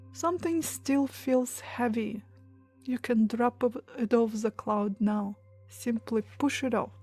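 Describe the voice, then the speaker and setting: A woman leading a guided meditation in a soft, breathy, hushed and soothing voice, pausing between short phrases. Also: on the high side, no echo. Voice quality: soft, breathy, near-whisper at times. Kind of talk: guided meditation, hypnotic relaxation countdown.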